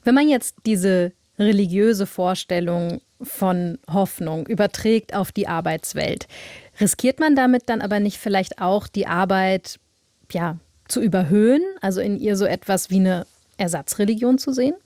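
A woman's voice: medium pitch, moderate pace, dark tone, no room sound. A woman hosts a radio interview and asks composed, probing questions. Her voice sits in a middle range. The recording is dry and close.

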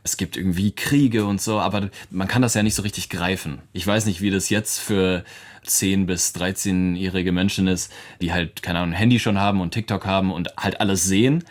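Low-voiced young man, casual chat. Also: fairly even intonation, fairly quick. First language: English. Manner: casual, chatty, laughs often, fillers. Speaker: musician guest. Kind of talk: relaxed radio interview answers.

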